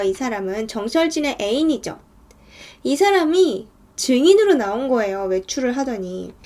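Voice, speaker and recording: A woman's voice: sits high, a little mellow. A woman casually retelling a thriller movie's plot scene by scene, chatting to her viewers. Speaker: movie recap storyteller.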